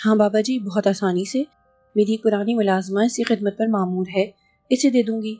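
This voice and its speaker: A woman's voice: mid-range voice, steady tone, mellow, faint music behind, lightly acted. A woman voicing a haughty, wealthy woman in her forties who is impatient and vengeful. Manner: imperious, demanding.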